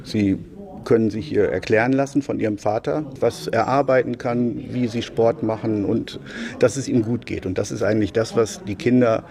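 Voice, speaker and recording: Low gravelly guy, social worker, explains slowly, warm dark tone. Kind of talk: interview answer.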